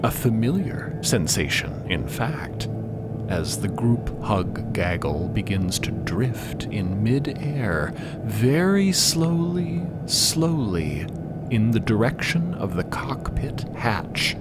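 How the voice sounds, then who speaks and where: A narrator telling a scripted audio drama in a hushed, whispery way. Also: mid-range voice, sing-song, slow, loud music behind the voice.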